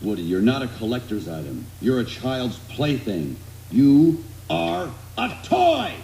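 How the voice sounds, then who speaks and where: Heroic american space ranger toy, cartoon movie, bossy n earnest, warm dark voice, echoey. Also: male voice, mid-range voice, huge pitch swings, a little slow, gravelly, a little hiss or hum, heavily acted. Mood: stern, exasperated. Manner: commanding, emphatic, earnest. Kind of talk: animated film dialogue.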